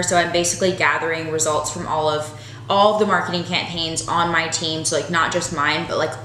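A woman's voice: on the low side, fairly bright tone, a little hiss or hum. A woman in her twenties vlogging at home, talking casually with lots of "like" fillers. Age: 20s. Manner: chatty, filler-heavy, upbeat. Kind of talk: casual vlog chat. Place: apartment room at home. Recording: echoey room.

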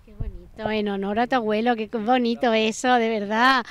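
Chatty high-voiced woman interviewer. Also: fairly even intonation, moderate pace. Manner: chatty, many fillers and restarts. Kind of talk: casual interview. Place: outdoor garden of a restaurant. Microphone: handheld microphone.

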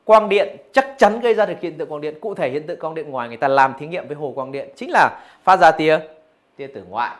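A man's voice: fairly high pitch, quick pace. A male physics teacher going through exam answers, asking his students rhetorical questions as he explains. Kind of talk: exam review lesson.

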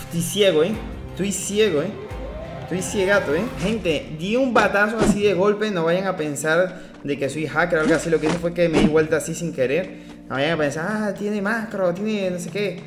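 Game music fills the background as a high-voiced young adult streamer chats through his play from a small home room. He has a Venezuelan Spanish accent, hypes his audience, and leans on a constant filler "eh," all captured on a headset boom mic.

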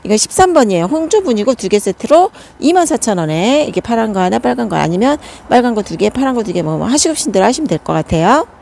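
Chatty woman with a gravelly low voice. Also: sing-song, quick pace, few pauses, a little mellow, a little hiss or hum. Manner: chatty, counts numbers and prices aloud. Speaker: succulent pot seller. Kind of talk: casual product showcase.

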